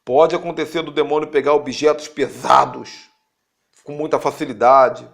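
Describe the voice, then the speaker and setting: Gravelly Brazilian man teaching. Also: moderate pace. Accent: Brazilian Portuguese. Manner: animated, acts out quotes with sudden high-pitched jumps; repeats words for emphasis, addresses listeners directly. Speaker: apostle teaching a course. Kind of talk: informal spiritual teaching.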